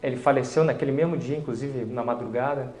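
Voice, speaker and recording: A man who hosts a Catholic prayer channel, telling a religious testimony in a lively way, his voice rising high when excited. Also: fast. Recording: echoey room.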